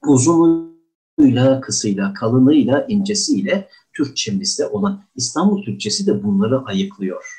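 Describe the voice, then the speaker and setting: An older diction teacher lectures on pronunciation with courtly manners, frequently saying "efendim" and acting out example words in exaggerated tones. His voice is mid-range and a little mellow.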